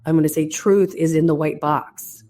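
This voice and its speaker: The host of this interview podcast, a woman in a hotel room, has a low-pitched, dark voice with a steady tone and moderate pace. Her casual, chatty, enthusiastic manner comes through a stuffy, head-cold sound.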